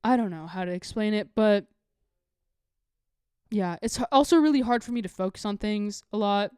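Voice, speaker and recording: A young woman in her late teens chats as a solo podcast host in a smooth, clear voice at a medium pitch. The recording is close and dry. Her delivery is casual and confessional, rambling along with lots of filler "like". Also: moderate pace, a little mellow, dry recording. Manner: rambling, heavy use of "like", candid.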